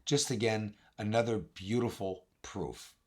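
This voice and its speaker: A man with a hoarse, raspy, recovering voice hosts an informal walkthrough of images, talking emphatically and directly to his viewers. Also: on the low side, fairly even intonation, a little slow, a little mellow. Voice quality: raspy, husky. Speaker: video host, amateur telescope observer.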